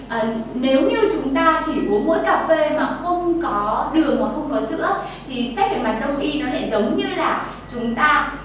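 A young Vietnamese woman's high-pitched voice sounds very echoey and muffled, recorded from a distance over slight background noise. Addressing viewers from a bright kitchen studio set, she chats her way through a healthy-drink tutorial with plenty of filler sounds.

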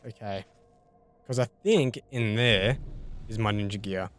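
Laid-back Australian gamer muttering along. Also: male voice, on the low side, unhurried, slight background noise. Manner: casual, muttering thoughts aloud with mild swearing. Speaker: gaming YouTuber. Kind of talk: let's play commentary.

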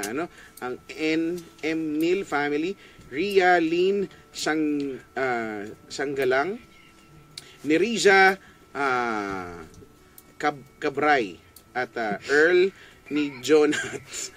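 A man's voice: fairly high pitch, sing-song, takes it slowly, fairly bright tone, a little hiss or hum. A man with a Filipino accent working as a radio DJ, bantering and greeting listeners in a giggly, playful way. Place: small radio studio. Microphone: studio boom mic with headphones.

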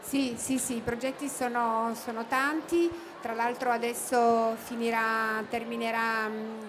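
A middle-aged woman, a cooperative representative, answers interview questions at an indoor expo booth studio into a handheld mic. Her voice is a little high and fairly flat, a bit slow, with many fillers and restarts, and music plays underneath.

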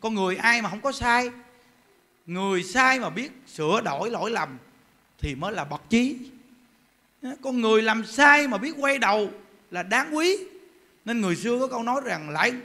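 A man preaching a Buddhist sermon, emphatic and animated, full of rhetorical questions. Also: extremely high pitch, moderate pace.

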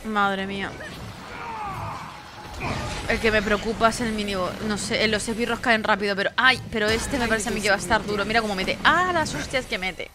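A woman's voice: mid-range voice, fairly quick, noisy background. A woman giving casual gameplay commentary. She sounds tired and sleepy, chats freely, swears often and cries out dramatically for help during fights. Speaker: gameplay streamer. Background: game music.

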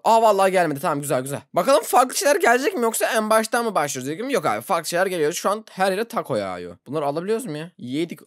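Gamer commentating a let's-play, excitable, lively swooping pitch, dry close mic, frequent laughs and startled yelps. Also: dry recording. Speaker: gaming YouTuber.

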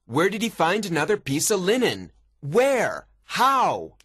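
Guy doing a stern baffled prison warden, husky, very animated, demanding answers. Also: mid-range voice, a little slow, no room sound, studio quality, exaggerated voice. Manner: insistent, questioning, exclamatory.

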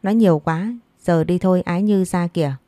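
A woman's voice: lowish voice, steady tone, dark tone, no room sound, close to an everyday voice. A woman reading a cheeky young man teasing his uncle. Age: 20s. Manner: quick, needling banter.

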